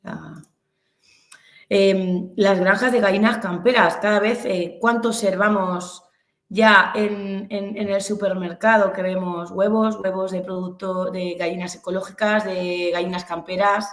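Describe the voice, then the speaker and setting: In an echoey room, a webinar presenter and business instructor from Albacete, Castilla-La Mancha, gives an informal online lecture in Castilian Spanish. Her mid-range voice is a little slow with fairly even intonation, and she explains hesitantly while searching for words.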